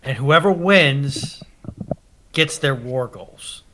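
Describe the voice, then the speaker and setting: A man's voice: mid-range voice, animated, very slow, noisy background. A man on a panel, chatting casually. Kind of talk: casual chat.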